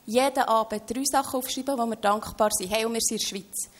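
A woman's voice: fairly high pitch, steady tone, quick pace. A woman with a Swiss German accent, talking earnestly as a guest in a faith-based conversation, often opening her thoughts with "hey".

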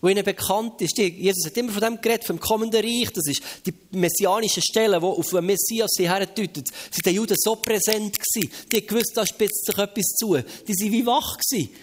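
A man with a Swiss German accent preaching a lively sermon, telling a Bible story and acting out the crowds and bystanders with animated flair. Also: sits high, fairly quick, hardly any pauses, a little hiss or hum.

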